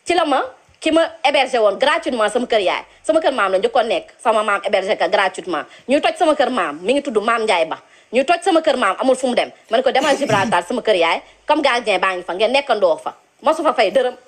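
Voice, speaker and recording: A woman's voice: a little high, animated, quick pace. Earnest woman in her thirties. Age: 30s. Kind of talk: personal account.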